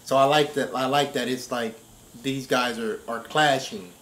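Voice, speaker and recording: A man with a mid-pitched voice talks casually as a show commentator. He explains his points step by step, often checking that the others follow. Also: steady tone, normal speed, fairly bright tone. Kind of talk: casual discussion of game story.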